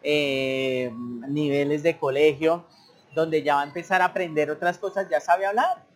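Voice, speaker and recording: A man's voice: a little high, steady tone, moderate pace. A man giving a casual, repetitive language lesson, sometimes acting out beginners' broken speech. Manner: conversational, repetitive, acts out learners' broken speech. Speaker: English teacher. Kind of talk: informal teaching monologue.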